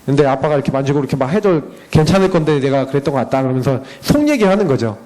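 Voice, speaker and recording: A man's voice: medium pitch, very fast, rough recording. A man in his thirties, a parent giving a slide presentation at a church education session, telling stories about his children and acting out their talk. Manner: animated storytelling, acting out dialogue with his children.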